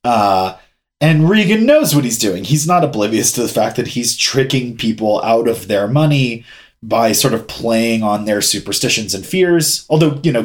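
Chatty man recapping an anime. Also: on the low side. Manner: animated, chatty, thinking aloud. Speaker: podcast co-host. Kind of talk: casual anime recap chat.

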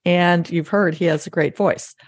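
A woman's voice: fairly low pitch, steady tone, normal speed, dry recording. Dry-miked Midwestern woman podcast host. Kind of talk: casual faith interview.

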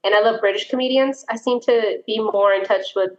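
A woman's voice: medium pitch, steady tone, fairly quick. A woman co-hosting a book podcast, talking casually and chattily, laughing often and swearing now and then. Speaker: podcast co-host. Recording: echoey room, dull lo-fi sound.

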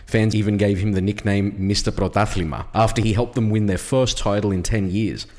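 A man's voice: on the low side, fairly even intonation, fairly quick, darkish tone, long reverb tail. A man with an Australian accent, hosting a podcast in a casual, conversational style. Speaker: podcast host. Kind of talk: casual chat, introducing a guest.

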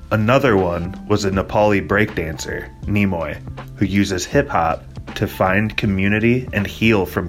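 A man introducing a podcast episode in a calm, measured, scripted way. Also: on the low side. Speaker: podcast producer and host. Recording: music bed under voice.

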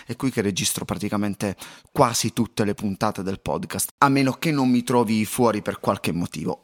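Man, solo podcast host, lively pitch, expressive, recorded at home. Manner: lively and expressive, playful asides. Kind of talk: solo podcast monologue, giving tips. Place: home loft.

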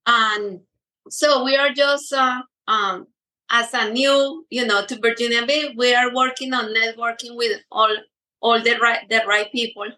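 A woman's voice: a little high, steady tone, a little slow, sharp tone, rough recording. A middle-aged woman guest speaking in a casual interview, hesitant with many fillers and restarts. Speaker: guest baker.

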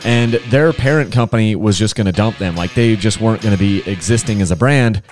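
A man's voice: lowish voice, fairly quick, a little mellow, faint music behind. A man hosting a casual solo podcast, chatty and enthusiastic, rambling with frequent restarts. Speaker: podcast host.

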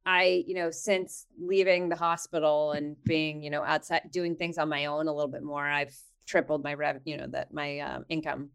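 Female podcast guest, smooth lowish voice, casual and agreeable, slightly hesitant. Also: little pitch movement, moderate pace. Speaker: podcast guest, nurse practitioner. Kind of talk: casual interview chat.

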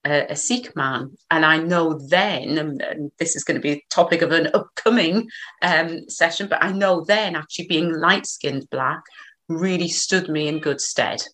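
A woman's voice: deep voice, normal speed, fairly bright tone, low-quality recording. A woman with a slight Geordie accent hosting an online discussion, chatty and a little hesitant. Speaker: host. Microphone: video call.

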